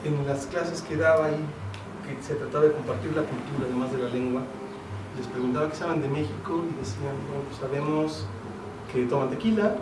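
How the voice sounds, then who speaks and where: A Mexican playwright talking casually about his work at a public event, relaxed and conversational, with plenty of fillers and slang. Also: a little high. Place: event hall. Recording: roomy, distant mic with noisy ambience.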